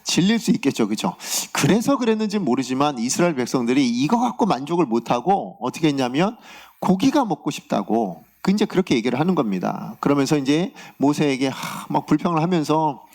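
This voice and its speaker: Lively, questioning male pastor. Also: fairly high pitch, a little fast. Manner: conversational preaching with frequent rhetorical questions to the congregation. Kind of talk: sermon.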